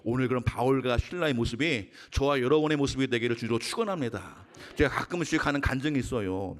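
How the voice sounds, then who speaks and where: Animated man preaching a sermon. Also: medium pitch, quick pace. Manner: animated preaching with rhetorical questions, rising to shouts; self-deprecating humor. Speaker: pastor. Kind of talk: dawn service sermon.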